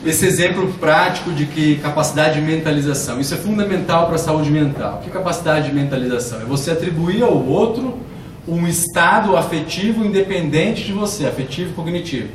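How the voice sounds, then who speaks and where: A man's voice: fairly high pitch, brisk, distant mic. A man teaching as a psychiatrist lecturer, explaining with acted-out everyday examples. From Brazil. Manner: explanatory, acts out quoted dialogue with examples. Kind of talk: classroom lecture. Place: lecture hall. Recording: echoey room, speaker away from mic, faint noise.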